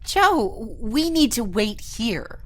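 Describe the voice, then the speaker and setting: A woman's voice: a little high, very animated, slow pace, a bit bright, exaggerated voice. An actress playing Anna, an earnest young woman in a retro sci-fi radio drama, pleading and stammering when upset. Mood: worried. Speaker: first-person narrator and lead. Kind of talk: golden-age style radio drama acting.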